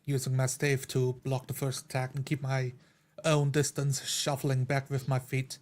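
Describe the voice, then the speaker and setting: A man's voice: mid-range voice, monotone, normal speed, darkish tone. A man playing a tabletop game, describing his character's actions in improvised roleplay.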